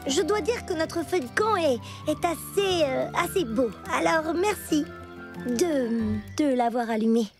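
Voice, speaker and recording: A woman's voice: high-pitched, animated, unhurried, over music. A woman voicing a proud, prickly but good-hearted young girl in a French cartoon dub, with a sassy, emphatic delivery. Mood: softened, sincere.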